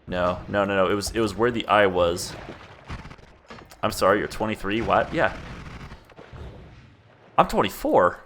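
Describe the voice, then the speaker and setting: A chatty young man in his twenties with a fairly low voice, talking loosely through a gaming stream. He rambles and laughs at himself as he plays. A faint hiss sits under the recording. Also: animated, unhurried, long pauses, a bit bright. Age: 20s. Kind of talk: casual gameplay commentary chatting with chat.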